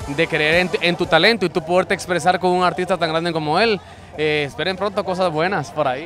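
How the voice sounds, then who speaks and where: A high-pitched man's voice sounds dry with no echo, set against clear music in the background. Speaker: guest. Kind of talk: interview answer. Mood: upbeat, grateful. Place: beach. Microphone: handheld.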